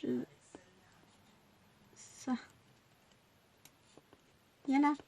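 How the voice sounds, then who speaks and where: A woman's voice: drawn-out words, darkish tone, slight background noise. A woman chatting casually through a craft shopping haul, self-mocking and exclaiming over each item.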